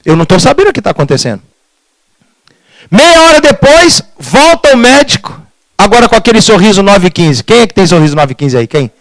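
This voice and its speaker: A man's voice: sits high, big pitch swings, brisk, fairly bright tone, no room sound, poor audio. A middle-aged man, a pastor telling a dramatic testimony in a sermon and acting out the dialogue.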